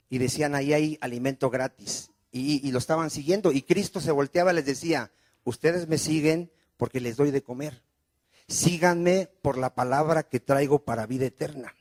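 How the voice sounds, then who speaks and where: A pastor delivers a sermon in a fairly high voice. He keeps asking the congregation questions and calling for their amens. The sound is dry and close. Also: a little mellow, no room sound. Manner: preaching with call-and-response questions.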